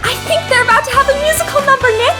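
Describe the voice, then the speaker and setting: A woman voicing a bubbly, excitable teenage girl in an audio drama, gushing and playful. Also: extremely high pitch, very fast, music in the background. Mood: bubbly excitement. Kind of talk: fan audio drama acting.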